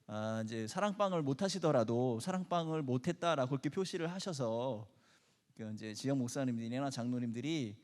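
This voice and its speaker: Guy doing church announcements, polite and encouraging, mid pitch voice, big echoey hall. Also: fairly quick, darkish tone. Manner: polite, encouraging, addressing the group. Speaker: church training leader giving announcements. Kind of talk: announcements to a congregation. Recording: long echoing hall reverb.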